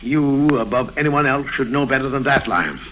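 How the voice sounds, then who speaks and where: A man's voice: mid-range voice, lively intonation, moderate pace, a bit bright, lightly acted, rough recording. An actor playing a strained, earnest middle-aged male governor who begs for help, in a 1950s radio drama. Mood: pressured. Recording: old radio broadcast with faint hiss.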